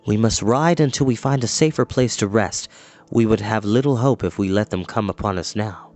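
A man voicing a weary, grave male fantasy warrior, stern and measured, in a storybook reading. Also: fairly low pitch, darkish tone, pitched below the performer's own voice, lightly acted. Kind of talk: dramatised audiobook reading.

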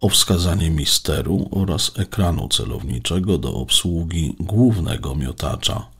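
A man's voice: low voice, lively intonation, a little slow, vocal fry, husky, voice pushed up, exaggerated voice. A man voicing a cheerful, teasing teenage boy who is a little nervous. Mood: playful. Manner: playful, teasing.

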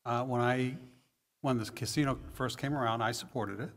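A male town councilor speaks at a public meeting, slow and deliberate as he stands by his position. His voice sits at an ordinary middle pitch and is picked up by a table microphone in a school auditorium. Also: fairly even intonation.

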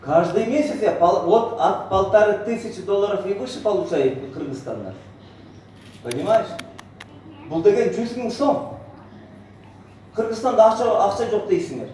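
A man's voice: high voice, lively intonation, normal speed, pauses often, a little mellow. A middle-aged man with a Central Asian accent giving an emphatic, boastful motivational presentation full of rhetorical questions. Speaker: network marketing speaker, senior manager. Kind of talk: motivational presentation, mixing two languages. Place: on stage in a large hotel banquet hall. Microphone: far camera in the audience area. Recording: echoey hotel hall, distant, noisy.

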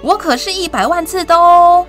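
A woman's voice: extremely high pitch, moderate pace, a bit bright, faint music behind. A woman voicing a proud, boastful male stray cat, showing off emphatically in a picture book read aloud to young children. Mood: showy bragging.

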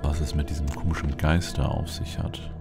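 A man's voice: very deep voice, little pitch movement, normal speed, vocal fry. A man hosting a Let's Play, giving casual in-character gameplay commentary and musing playfully aloud. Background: game music.

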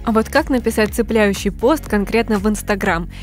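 A woman's voice: mid-range voice, fairly quick, faint music behind. A woman in her twenties hosting a radio interview, asking questions in a light, playful way into a studio microphone. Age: 20s. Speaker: radio host. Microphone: large studio mic on boom arm, wearing headphones.

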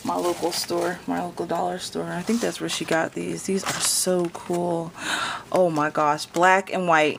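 A woman chatting casually to her viewers as she unwraps craft gifts, gushing with thanks and dropping to a soft whisper when something delights her. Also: lowish voice, vocal fry, slight background noise. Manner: gushing, repeats thanks and exclamations. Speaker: craft vlogger opening gifts. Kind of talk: casual unboxing chat to camera. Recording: loud paper crinkling and rustling.

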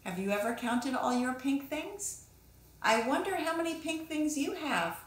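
A middle-aged woman giving an expressive storybook read-aloud for children, talking deliberately and asking listeners questions. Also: high voice, a little hiss or hum. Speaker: children's author reading aloud. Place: small indoor room full of dolls. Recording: roomy echo, distant microphone.

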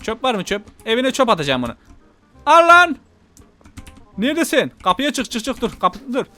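A man playing a video game and commenting, joking and taunting the enemy out loud. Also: very high voice, big pitch swings, quick pace, faint music behind. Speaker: gaming channel host. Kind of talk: excited let's-play commentary.

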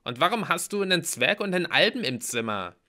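A man reading aloud and voicing a grumpy, sharp-tongued young woman warrior, scolding and snappish. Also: medium pitch, expressive, moderate pace, vocal fry, pitched above the performer's own voice. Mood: irritated.

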